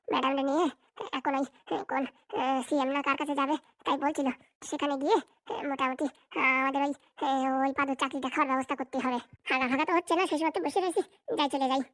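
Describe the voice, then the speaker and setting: A woman's voice: high voice, fairly bright tone, dry recording. Kotkoti, a scheming cartoon woman. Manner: plotting, defiant inner monologue. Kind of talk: sped-up cartoon voice acting.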